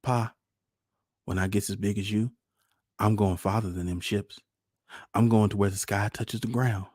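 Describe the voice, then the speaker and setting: Man voicing a pleading little Southern country boy, pitched high. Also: steady tone, moderate pace, a little mellow, no room sound, clean studio sound, lightly acted. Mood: wistful, eager. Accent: rural Southern US. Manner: pleading, childlike dialect speech. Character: small dreamy boy, rural Southern, tearful, eager.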